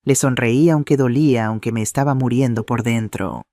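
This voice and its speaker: A man reading a scripted first-person story in a steady, earnest way. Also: medium pitch, moderate pace, no echo, studio quality. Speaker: narrator.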